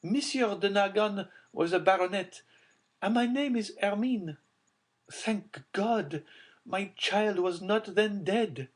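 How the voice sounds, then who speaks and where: A man voicing a frantic, anguished aristocratic mother in an audiobook, in a shrill, pleading tone. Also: expressive, measured pace, slightly rough, exaggerated voice. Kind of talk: audiobook character voice.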